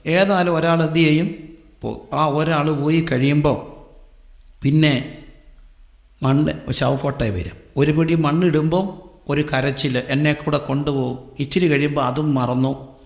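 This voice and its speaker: A man's voice: a little high, fairly even intonation, measured pace, creaky, pauses often. A man preaching a sermon, telling stories and asking questions he answers himself. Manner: storytelling, asks questions and answers them. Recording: echoey hall.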